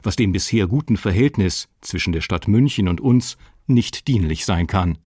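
Stern male 1950s sports functionary, documentary quote, lower register, bureaucratic delivery, dry sound. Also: expressive, moderate pace, darkish tone, husky, dry recording. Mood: formal reproach. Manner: formal, bureaucratic. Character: stern, officious male 1950s football official. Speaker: voice actor reading historical statements.

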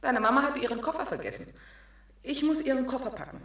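A bratty taunting dream girl, bright sharp voice, heavy echo. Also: high voice, very animated, fast talker, vocal fry, full character voice. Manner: mocking, scolding. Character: taunting schoolgirl in a dream, spiteful. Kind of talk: 1970s radio drama acting.

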